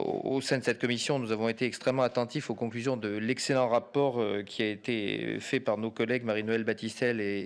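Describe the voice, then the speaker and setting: A man talks at a medium pitch and a fairly quick pace. His intonation is monotone and flat. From Dauphiné, southeastern France. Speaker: member of parliament. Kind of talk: committee hearing question. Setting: parliamentary committee room. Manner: halting, many repetitions and hesitations.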